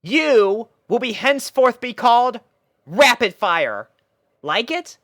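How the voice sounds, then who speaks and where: A storyteller voicing a brash, caring, excitable cartoon pegasus pony mare with emphatic, drawn-out announcements. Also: medium pitch, no room sound, studio quality, voice pushed up, exaggerated voice. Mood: proud, announcing.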